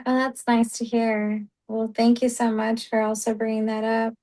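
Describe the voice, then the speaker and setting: A young woman answers as a guest in a casual interview, polite and brief, with a few fillers. Her voice sits mid-range and stays flat and even. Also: a little high, moderate pace. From Chicago, raised in Texas.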